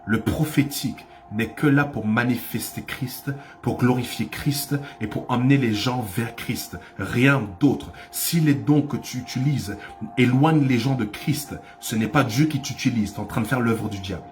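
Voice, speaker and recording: A man's voice: mid-range voice, moderate pace, soft background music. A man preaching a sermon as pastor, with impassioned delivery that rises to cries and repeats phrases for emphasis.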